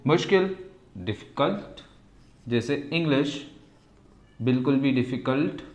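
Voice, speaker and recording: A man teaches English vocabulary. He is patient and repeats each word and sentence slowly. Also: mid-range voice, darkish tone, lo-fi sound. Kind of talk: slow vocabulary lesson. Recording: echoey room.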